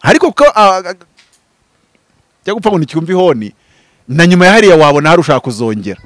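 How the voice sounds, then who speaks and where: A man in his thirties from Rwanda, a pastor speaking in an impassioned, preaching style, swinging from loud bursts to low murmurs. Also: sing-song, quick pace, no echo. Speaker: pastor and prophet. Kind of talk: animated preaching-style interview talk. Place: outdoors before green foliage. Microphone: handheld mic held close.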